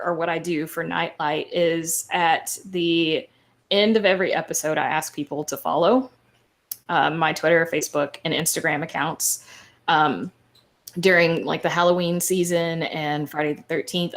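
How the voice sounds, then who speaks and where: A woman speaking as a podcaster on a panel, giving informal, explanatory advice in a conversational way. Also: low voice.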